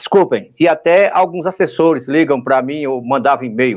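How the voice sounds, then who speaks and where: This man's voice is fairly high, and he keeps a moderate pace while his pitch moves in an ordinary way. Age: 60s. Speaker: professor and pension rights commentator. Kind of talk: political commentary on online show. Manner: animated.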